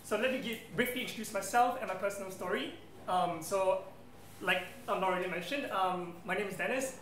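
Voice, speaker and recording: A man's voice: high-pitched, a little fast, fairly bright tone. A man from Singapore in his thirties, giving a presentation to an audience in an event room with many ums and friendly asides. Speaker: guest speaker. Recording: roomy hall sound, faint noise.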